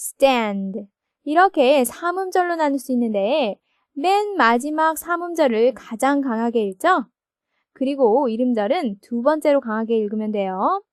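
A woman teaching English grammar in a recorded textbook lesson, explaining slowly and checking each point with her listeners. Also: high-pitched, animated, no echo, clean studio sound. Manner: slow, explanatory, asks confirming questions.

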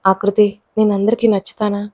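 A woman's voice: mid-range voice, monotone, normal speed, warm tone, natural voice. A woman voicing a shy, nervous young woman who speaks hesitantly.

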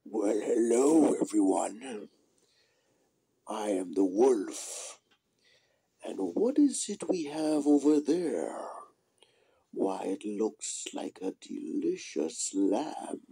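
A puppeteer voicing a hungry, gloating wolf villain with drawn-out, menacing delivery in an amateur puppet show. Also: medium pitch, big pitch swings, gravelly, warm tone, husky, full character voice. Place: small indoor room, behind puppet curtain.

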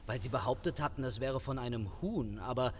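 An actor playing a flirtatious, evasive, smooth-talking police sergeant in a crime radio play. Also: male voice, mid-range voice, fairly quick, long reverb tail, slight background noise, close to an everyday voice. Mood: evasive, appeasing. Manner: charming, wheedling, evasive. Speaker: actor in crime audio drama. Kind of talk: German crime audio drama acting.

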